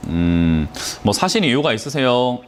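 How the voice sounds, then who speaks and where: A man's voice: mid-range voice, very animated, unhurried, a little hiss or hum. A man advising callers on stocks in a blunt, lecturing manner, with emphatic rhetorical questions and a sore throat. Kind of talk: call-in stock consultation.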